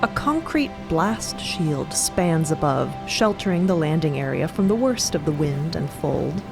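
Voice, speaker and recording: Lower-voiced woman narrating over music. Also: sing-song, unhurried, vocal fry. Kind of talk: dramatic scripted narration.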